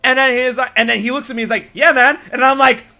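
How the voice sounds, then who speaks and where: A young American man hosting a podcast, telling a story in casual chat and acting out quotes with sudden loud jumps. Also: extremely high pitch, fairly even intonation, quick pace, gravelly. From United States. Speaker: podcast host.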